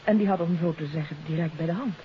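An actress playing a troubled countess in a 1950s radio mystery, confessing earnestly and hesitantly. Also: female voice, lowish voice, fast talker, close to an everyday voice. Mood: confiding. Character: troubled countess confessing her part in a kidnapping. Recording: hissy, dull 1950s radio recording.

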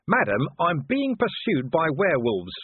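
A weary, hard-bitten watch commander with a dry, clipped delivery, as a male narrator plays him. The voice sits a little raised and sounds husky and tinny, in a storybook reading. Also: a little high, wildly swooping pitch, normal speed, no room sound, voice pushed up, heavily acted. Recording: tinny phone-band sound.

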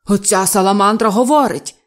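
A woman's voice: medium pitch, sing-song, normal speed. A woman voicing a stern, brusque male zoo director who raises his voice. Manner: stern, shouting.

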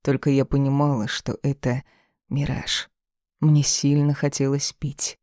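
An audiobook reader telling a first-person story in a calm, wry manner. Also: medium pitch, a little slow, dry recording, clean studio sound.

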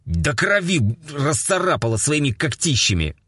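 A man doing a rough, grumbling fat sergeant. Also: a little high, big pitch swings, moderate pace, pushed and bright, dry recording, studio quality, pitched above the performer's own voice, heavily acted.

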